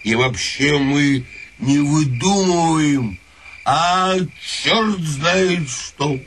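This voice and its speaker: An actor playing a drunken old hermit inventor in a radio drama, hoarse, slurred, muddled and self-pitying. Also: male voice, fairly high pitch, drawn-out words, a bit bright, a little hiss or hum. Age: older.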